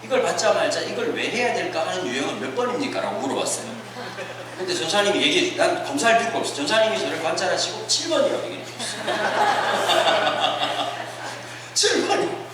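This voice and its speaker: Animated man preaching in an echoey hall. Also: high-pitched, brisk, a loud crowd. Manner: animated, humorous storytelling with acted-out quotes. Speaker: pastor. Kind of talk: sermon at a winter retreat, storytelling. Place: church hall. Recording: echoey hall recording from far off, noisy. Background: audience laughter.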